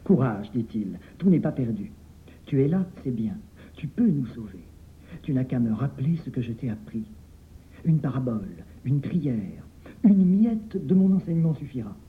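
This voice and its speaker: A man's voice: medium pitch, very animated, normal speed, natural voice. A man voicing an old Hasidic master, downcast and then roused, in a told tale. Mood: urgent. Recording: phone-like narrowband.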